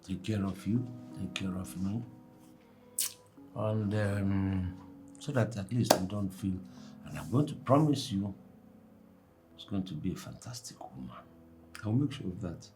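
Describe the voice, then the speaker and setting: Brief: a soft-spoken, protective Nigerian dad, a lower voice, faint music underneath. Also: male voice, measured pace, pauses often. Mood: tender. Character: widowed middle-aged father, gentle and protective. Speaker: father. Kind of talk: Nollywood film acting.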